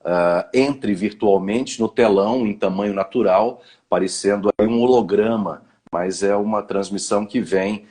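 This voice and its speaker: A man's voice: lowish voice, unhurried, hardly any pauses, dark tone, breathy edge. A man, a guest on a live talk, giving advice on public speaking in short commands with frequent "né?" tags. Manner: didactic, gives advice in short imperatives with many "né?" fillers. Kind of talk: live online conversation.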